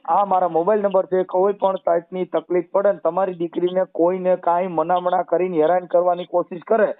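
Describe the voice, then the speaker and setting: High-pitched Gujarati man on a phone line. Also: flat delivery, fairly quick. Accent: Saurashtra Gujarati. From Gujarat, India. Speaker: activist taking a help call. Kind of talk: informal phone counselling conversation. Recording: narrowband phone call audio.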